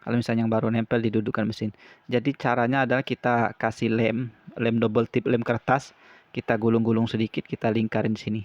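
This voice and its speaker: A man explaining a hands-on repair step by step in an informal, halting, repetitive way. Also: mid-range voice, flat delivery, no room sound, muffled recording. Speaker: repair tutorial presenter.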